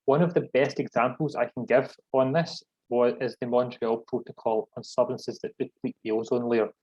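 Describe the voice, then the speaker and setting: A man with a thick, broad Scottish accent giving a deliberate, explanatory webinar presentation. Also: medium pitch, fairly even intonation, darkish tone. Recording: dull, lo-fi online call audio.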